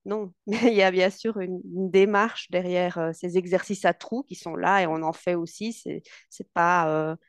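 A woman hosting a casual interview, friendly and quick to agree and laugh. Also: on the low side, steady tone, smooth, dry recording, clean studio sound. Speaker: host, interviewer.

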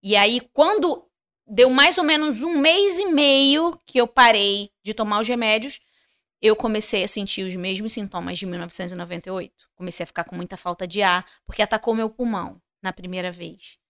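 Speaking fairly quickly in a mid-range, slightly bright voice, a woman from Rio de Janeiro, Brazil, shares her personal faith testimony as a podcast guest. She acts out the dialogue she quotes and addresses listeners directly in a conversational setting.

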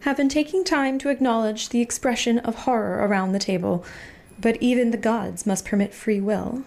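A woman's voice: fairly high pitch, moderate pace, vocal fry, darkish tone. A woman narrating as a game master in a wry, formal storytelling style. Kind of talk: wry scripted-sounding narration.

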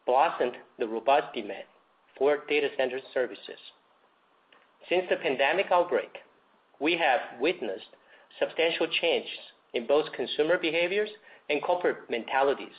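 A man in the role of a company executive, reading a scripted earnings presentation in a formal, measured way. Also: a little high. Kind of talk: scripted earnings call presentation, read aloud. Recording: dull lo-fi conference call audio.

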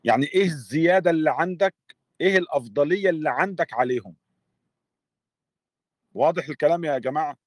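A man's voice: on the high side, quick pace, long pauses, dry recording, clean studio sound. An Egyptian man in an online voice-room debate, firing challenging questions at his opponent and cutting in. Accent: Egyptian Arabic. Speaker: skeptic debater.

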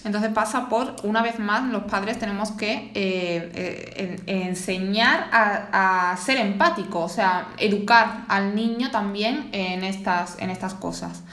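A woman's voice: mid-range voice, a little slow, hardly any pauses, fairly bright tone. A woman hosting a podcast, summing up the guest's points and leading into new questions. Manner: friendly interviewer, sums up and leads to questions. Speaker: podcast host. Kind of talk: podcast interview. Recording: roomy echoing sound.

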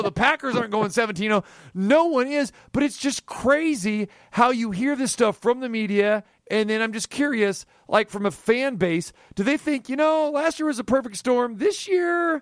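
Sports radio host guy, pretty high voice, rambly questions with lots of "you know", dry sound. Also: dry recording. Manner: rambling questions with filler words and restarts. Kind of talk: casual sports radio chat.

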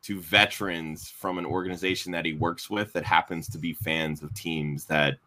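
A man's voice: low-pitched, steady tone, normal speed, bright, forceful tone. A man co-hosting a podcast, speaking in an earnest, casual way. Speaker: podcast co-host. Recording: noisy recording.

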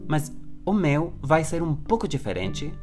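Man, native Spanish speaker, Spanish accent in Portuguese, podcast host, animated pitch, soft guitar underneath. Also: a little slow. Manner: encouraging, direct address to the listener. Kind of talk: solo podcast monologue addressed to listeners.

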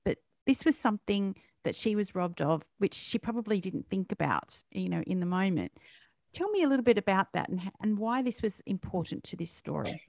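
Gravelly woman interviewer, dry sound. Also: mid-range voice, animated, a little mellow, dry recording. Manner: measured, appreciative questions. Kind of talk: book interview.

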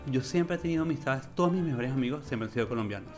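Man, mid pitch, gushing interview storyteller, faint music behind. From Venezuela. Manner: enthusiastic, animated, drawn-out emphasis. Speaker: interview guest, florist. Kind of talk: conversational storytelling.

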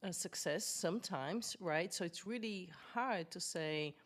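Bulgarian-accented woman guest, low pitch, chatty and full of fillers. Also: a little slow. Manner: animated, hesitant with many fillers. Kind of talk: conversational storytelling interview.

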